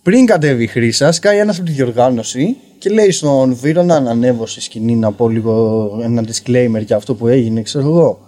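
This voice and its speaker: A young man telling a story casually on a podcast as a guest comedian, rambling and filling pauses with "you know". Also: medium pitch, lively intonation, dark tone. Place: basement podcast studio.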